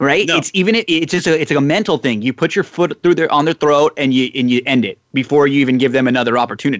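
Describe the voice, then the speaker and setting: A man with a plain, everyday voice speaks at a fairly quick pace in an American accent, his pitch fairly high. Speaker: radio co-host. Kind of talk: radio sports talk show.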